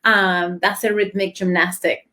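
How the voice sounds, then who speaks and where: A woman with an Argentine accent, a dancer guest telling her story in a relaxed, chatty interview, full of fillers. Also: medium pitch, measured pace. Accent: Argentine Spanish. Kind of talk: casual interview chat.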